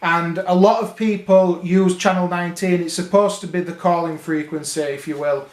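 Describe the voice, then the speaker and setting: A man's voice: high voice, fairly even intonation, normal speed. A British man talking casually to viewers, explaining things as a radio hobby vlogger. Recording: roomy, echoing indoor sound.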